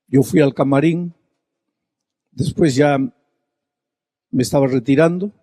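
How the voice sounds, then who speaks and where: A male pastor telling a story in a sermon, slow and dramatic, often dropping to a hushed voice. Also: fairly high pitch, dry recording.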